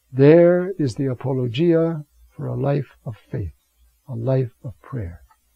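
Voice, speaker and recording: A man talks very slowly in a somewhat breathy voice with lively intonation. The background is quiet and the sound is dry, with no echo. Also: big swings in loudness. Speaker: priest. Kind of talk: scripture reflection talk. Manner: halting, with frequent fillers; conversational. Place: home room.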